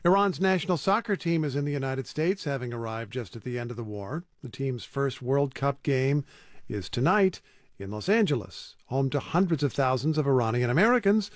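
A man's voice: mid-range voice, no echo, clean studio sound. A male news anchor reading a scripted introduction evenly.

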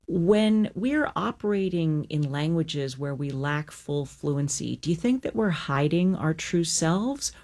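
A woman's voice: sits low, darkish tone. A woman hosting an interview, asking an author curious, attentive questions. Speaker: interview host.

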